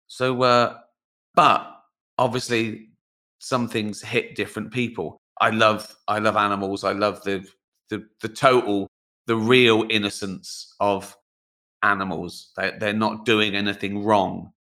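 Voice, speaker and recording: A man with an English accent speaks at a moderate pace in a fairly low pitch, using long, frequent pauses and monotone, flat intonation. His tone is bright and sharp, and the recording is very clean with a silent background. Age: 50s. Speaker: comedian. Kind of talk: casual chat.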